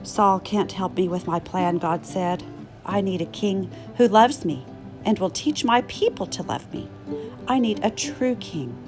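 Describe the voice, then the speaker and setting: A woman narrates a children's Bible storybook in a mid-range voice. Her delivery is expressive and scripted, with dialogue acted out as part of the telling. Music plays clearly underneath. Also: medium pitch, a little slow.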